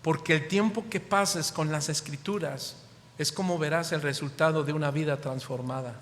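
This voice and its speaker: A man's voice: a little high, fairly even intonation, moderate pace, a bit bright. A man with a Mexican Spanish accent preaching a sermon as pastor, asking the congregation rhetorical questions with emphatic rises. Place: church hall. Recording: long church hall reverb.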